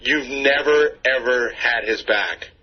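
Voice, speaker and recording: A man's voice: medium pitch, slow pace. A man giving a casual on-air briefing as a radio producer introducing clips. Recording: dull lo-fi radio with faint noise.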